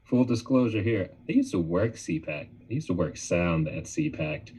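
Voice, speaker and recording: A man's voice: low voice, animated, normal speed, dark tone, slightly rough. A man on a casual live hangout, telling laid-back anecdotes. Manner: laid-back anecdotal storytelling, laughs easily. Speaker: band member on a live hangout. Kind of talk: casual livestream chat.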